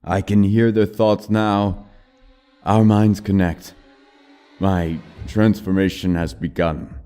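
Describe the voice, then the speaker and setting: A crazed middle-aged father turning into a monster, as a man acts him out in a dramatized horror story. He implores with fanatical menace, pitched up and loud, over background music. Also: little pitch movement, slow, clean tone. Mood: fervent pleading. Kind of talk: dramatized horror audiobook acting.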